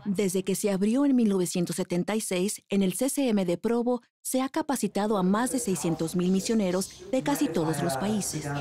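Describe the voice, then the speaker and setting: Mellow-voiced woman reading news narration. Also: medium pitch.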